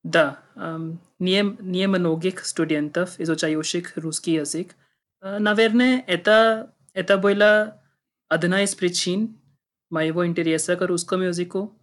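With a bright, high voice and fairly even intonation, a young Indian podcast guest in his twenties talks at a measured pace. He's a native Hindi speaker using a second language, with an Indian accent, formal, careful and a little nervous through the interview.

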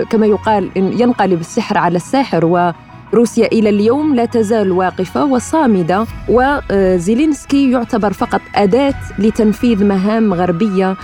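A woman's voice: medium pitch, warm tone. A woman co-hosting a radio show, commenting on the news in a thoughtful way with hesitant fillers. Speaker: radio co-host. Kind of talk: news discussion.

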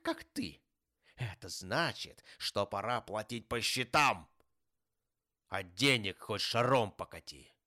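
A man's voice: lowish voice, gravelly, pushed and bright, heavily acted. A man reading an audiobook voices a grumpy, stingy old miser who talks in a scornful, harsh, snapping way.

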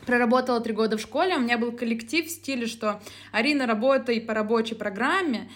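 A woman's voice: a little high, fast. A woman guest from Udmurtia in casual chat, telling stories animatedly and acting out her own past remarks. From Izhevsk, Udmurtia, Russia. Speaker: guest, company co-founder.

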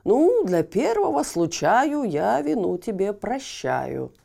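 A woman voicing an angry, bearded old tsar in a storybook tale, speaking loud, gruff and slow. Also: mid-range voice, sing-song, exaggerated voice. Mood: angry blustering.

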